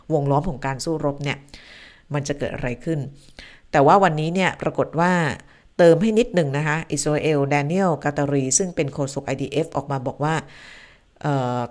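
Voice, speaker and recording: A woman's voice: deep voice, darkish tone. A woman hosting a news live stream from home, summing up the news and then chatting with viewers and thanking them by name. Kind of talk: casual live-stream news talk, reading viewer comments.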